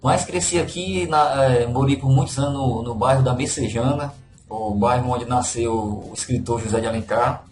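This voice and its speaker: A man with a Ceará accent, telling his own story as a podcast guest, easygoing and modest. His voice rings in an echoey room, with soft music faint underneath. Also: mid-range voice, normal speed. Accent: Northeastern Brazilian (Ceará). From Fortaleza, Brazil. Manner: relaxed, modest, with frequent "né?" tags. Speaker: interview guest. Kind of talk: casual conversational storytelling.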